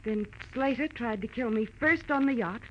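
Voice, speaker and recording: A woman's voice: a little high, moderate pace, natural voice. An actress playing a married woman client in a 1940s radio detective drama. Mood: tense. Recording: dull, noisy vintage radio recording.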